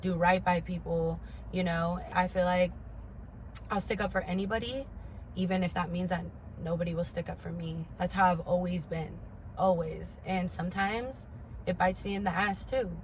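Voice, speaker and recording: Female vlogger, twenties, lower register, candid and emphatic personal talk with little pitch movement. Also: fairly even intonation, normal speed, slight background noise, rough recording. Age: 20s.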